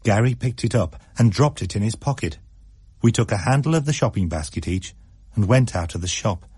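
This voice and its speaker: A man reads a story aloud for radio, his voice husky and full of lively swings in pitch. He slows and quickens to shape each scene. The recording is dry and close. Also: no echo. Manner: expressive, shifts pace for effect. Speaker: narrator.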